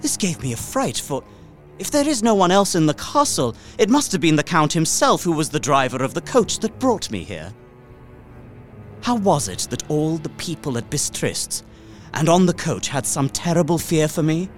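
A man's voice: on the high side, very animated, normal speed, soft background music. An actor playing an uneasy young solicitor, narrating his journal formally and dramatically in an audio drama. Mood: wary, anxious.

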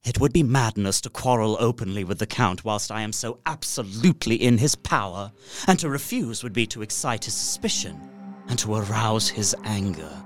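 A man's voice: on the low side, normal speed, no echo, faint music behind, lightly acted. An actor playing a horrified young solicitor, narrating his journal in an earnest, formal way for a radio play. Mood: uneasy. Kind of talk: dramatic first-person narration, radio play.

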